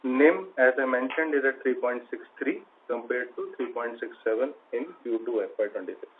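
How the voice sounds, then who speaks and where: A man with an Indian accent presents a formal financial report as chief financial officer. His pitch is average for a man. He comes through a narrow phone-like line with faint noise. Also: moderate pace. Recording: noisy phone-like conference line.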